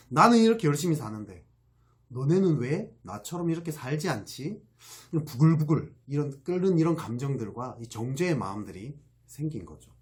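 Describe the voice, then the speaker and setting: A man preaching a sermon as pastor, acting out quoted inner voices with feeling. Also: mid-range voice.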